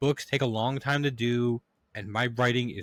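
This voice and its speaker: Recorded dry and close with no echo, a man speaks fairly quickly at a medium pitch. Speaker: podcast host. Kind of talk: casual monologue. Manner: fast when excited; animated.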